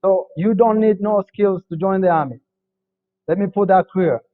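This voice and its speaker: Kenyan-born male veteran guest, high voice, tinny remote audio, plain and firm. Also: normal speed, slight background noise. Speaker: panel guest, army veteran. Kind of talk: panel discussion. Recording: tinny phone-like line.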